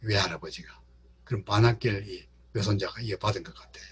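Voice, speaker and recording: A man's voice: lowish voice, fast talker. A man lecturing on literature to a class, repeating words and speaking straight to his listeners. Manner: repeats words and addresses the audience directly.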